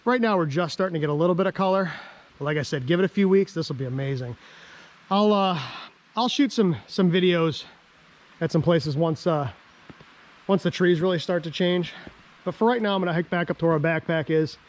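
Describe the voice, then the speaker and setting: An American man, out of breath after a hike, vlogging outdoors in a chatty, self-deprecating way and clearing his throat often. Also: high voice, fairly quick. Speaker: ham radio vlogger. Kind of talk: casual outdoor vlog. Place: outdoors on a dam in a park.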